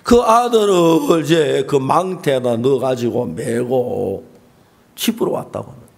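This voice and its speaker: A man preaching a sermon in church as pastor, telling stories and acting out the voices in them, often clearing his throat. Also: medium pitch, measured pace. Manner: storytelling, acting out the voices of the people in his story.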